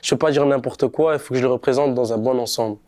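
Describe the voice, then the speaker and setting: A man's voice: mid-range voice, fairly even intonation, fast talker, darkish tone. Laid-back young man rapper, slangy. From Montreal, Canada. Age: young adult. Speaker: rapper being interviewed. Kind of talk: casual interview chat.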